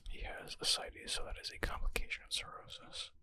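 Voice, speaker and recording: A man speaks entirely in a breathy whisper with no voiced tone, bright and airy. It is an ASMR reading mixed with casual, murmured commentary, as if he is thinking aloud. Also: brisk. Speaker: ASMR creator reading and answering medical exam questions.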